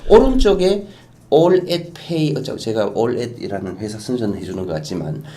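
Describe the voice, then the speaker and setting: A middle-aged man, a guest expert, explaining in an animated way on a talk show, with quiet asides and emphatic bursts. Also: medium pitch, unhurried.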